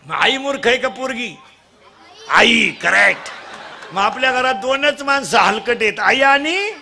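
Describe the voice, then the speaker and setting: High-pitched teasing preacher. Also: male voice, vocal fry, noisy background. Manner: teasing, quizzing the children and demanding loud answers; bursts into shouts at times. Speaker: kirtan preacher. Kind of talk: comic kirtan sermon to a live crowd. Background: audience sounds.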